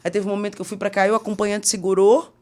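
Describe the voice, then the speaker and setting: A young woman telling a personal testimony on a podcast, animated, acting out the people she quotes. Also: mid-range voice, rapid-fire. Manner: animated, acts out quoted dialogue. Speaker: guest singer. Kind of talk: podcast testimony, casual storytelling.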